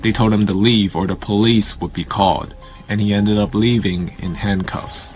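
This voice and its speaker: Male horror narrator, low register, measured delivery over a music bed. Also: fairly even intonation, a little mellow. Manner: measured storytelling. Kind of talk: scripted horror story narration. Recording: music under the voice. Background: background music.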